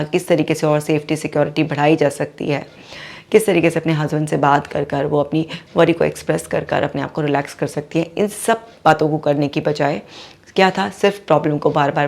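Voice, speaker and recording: A woman psychologist with a low voice teaches through a patient's case. Her tone has a gravelly edge, and she acts out the patient's inner thoughts with lots of repetition. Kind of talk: explaining a case in a video lesson.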